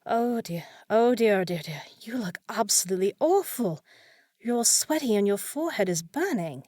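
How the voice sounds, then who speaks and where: A woman's voice: mid-range voice, lively intonation, moderate pace, a little mellow, no echo, clean studio sound, lightly acted. A woman playing a short, fussy young village housekeeper in a fantasy audio roleplay, proper and easily flustered, scolding yet caring. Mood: worried, caring. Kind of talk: scripted fantasy audio roleplay, spoken to listener.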